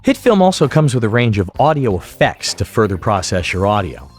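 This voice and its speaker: A man narrating a software tutorial as an instructor, explaining each step methodically. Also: fairly low pitch, big pitch swings, a little fast, breathy edge, soft background music. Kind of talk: instructional screen-recording narration.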